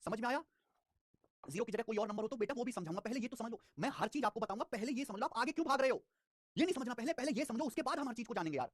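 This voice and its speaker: A young man with an extremely high-pitched voice teaches math live online. Fast and lively, he repeats digits and phrases over and over and scolds students with life advice. The studio sound is clean, with no room sound.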